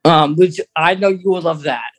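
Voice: medium pitch, normal speed. A podcast co-host chatting casually about a radio drama, explaining things in a rambling, hesitant way.

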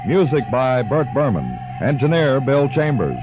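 A man's voice: mid-range voice, very animated, unhurried. A man with an American accent reading scripted credits as a 1950s radio announcer. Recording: narrow phone-like vintage radio, loud music. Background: loud music.

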